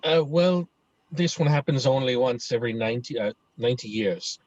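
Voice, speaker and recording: A man's voice: mid-range voice, steady tone, moderate pace, darkish tone, no room sound, lightly acted. A man acting a friendly, earnest young Swede in a script table read, hesitant and searching for words. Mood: friendly, chatty. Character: friendly, mock-menacing young Swedish man, earnest and sensitive. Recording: dull, lo-fi video-call audio.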